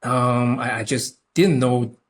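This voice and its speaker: A young man from Taiwan, a native Chinese speaker with a Taiwanese accent, chatting haltingly as a podcast guest with many restarts. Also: medium pitch, a little hiss or hum. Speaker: podcast guest, concept artist. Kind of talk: casual interview chat.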